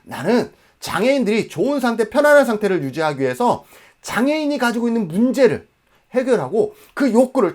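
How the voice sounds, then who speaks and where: A man's voice: high voice, darkish tone. A man in his forties from Jeju Island, South Korea, giving an exam-prep lecture emphatically, asking questions and answering them himself.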